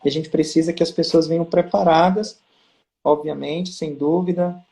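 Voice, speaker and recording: A man's voice: on the high side, moderate pace, creaky. A Brazilian man on a video call, telling stories as an interview guest and acting out quoted exchanges. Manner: storytelling, animated quoting. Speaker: guest, pharma district manager. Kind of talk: casual live interview.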